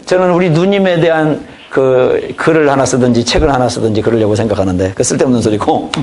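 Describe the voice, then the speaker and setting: A man's voice: mid-range voice, fast, a little mellow. A pastor in his fifties giving a church training lecture, telling folksy family stories and acting out conversations. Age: 50s. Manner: folksy storytelling, acts out dialogue. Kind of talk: lecture on evangelism.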